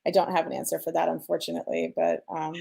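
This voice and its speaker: A woman's voice: sits low, monotone, fast talker, gravelly, warm tone, husky. A woman speaking as a sound designer in a casual discussion, easygoing and agreeable.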